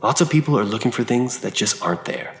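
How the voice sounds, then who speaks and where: A cryptic old-fashioned man of the church, grave and unhurried. His voice is very low and solemn, ringing in an echoey room, in the manner of an audio drama. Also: animated, vocal fry. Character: grave, cryptic churchman guarding a dead woman's remains. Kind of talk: scripted audio drama dialogue.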